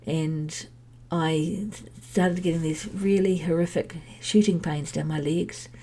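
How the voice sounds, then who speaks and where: A woman's voice: deep voice, steady tone, slow pace, dark tone, husky. A middle-aged woman with a head cold, talking candidly and chattily in her own personal podcast monologue. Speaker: podcast host sharing her health journey.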